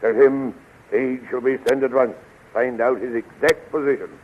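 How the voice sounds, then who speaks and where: An actor playing a genial, commanding Hawkman king in a 1930s radio serial, with a stately, measured delivery. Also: medium pitch, fairly even intonation, lightly acted. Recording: scratchy, tinny 1930s radio recording.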